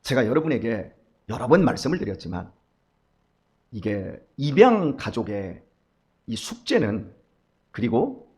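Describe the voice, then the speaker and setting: Animated middle-aged pastor, lively pitch. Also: male voice, unhurried, long pauses. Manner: storytelling, animated, acts out quoted voices. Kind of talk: dawn sermon.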